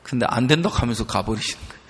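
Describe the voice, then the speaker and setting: A man preaching a sermon, telling a story and acting out the people in it in lively voices. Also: mid-range voice, rapid-fire, slight background noise. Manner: animated storytelling, acting out an elderly mother's stubborn replies. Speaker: pastor. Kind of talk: sermon with acted-out anecdotes. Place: church sanctuary. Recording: long reverb of a church hall.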